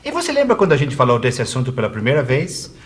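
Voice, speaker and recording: A man with a Brazilian Portuguese accent presenting a scripted TV English lesson, stressing each example clearly. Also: mid-range voice, huge pitch swings, fast talker. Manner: didactic, emphatic on examples. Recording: music bed underneath.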